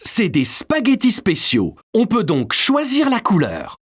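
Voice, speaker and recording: Cheerful cartoon father: patient, playful, unhurried, with wide pitch swings. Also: huge pitch swings, a bit bright, full character voice. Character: kind, cheerful cartoon dad.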